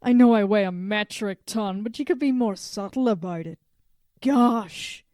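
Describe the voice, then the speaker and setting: A woman playing a self-conscious, grumbling female robot in an audio drama, deadpan and reluctant. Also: medium pitch, a little slow, no room sound, studio quality, lightly acted.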